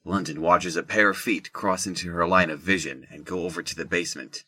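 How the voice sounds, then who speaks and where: A man with a husky voice reading scripted narration for an audio drama. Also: low voice, steady tone, a little fast, sharp tone.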